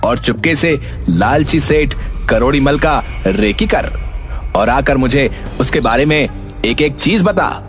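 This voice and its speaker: A man's voice: medium pitch, expressive, takes it slowly, faint music behind. A man voicing a greedy, scheming priest in a cartoon, giving orders in a sly, commanding way.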